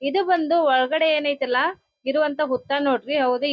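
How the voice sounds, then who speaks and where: A woman speaks with a North Karnataka accent. Her pitch is high. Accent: North Karnataka Kannada dialect. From North Karnataka, India. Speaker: travel vlogger. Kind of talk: vlog narration. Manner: casual, conversational.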